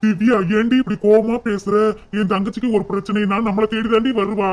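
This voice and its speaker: A man's voice: high voice, little pitch movement, a little fast, darkish tone, lightly acted. A man doing a pleading cartoon husband. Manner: pleading, reproachful, emotional. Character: pleading husband defending his sister. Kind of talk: cartoon voice acting.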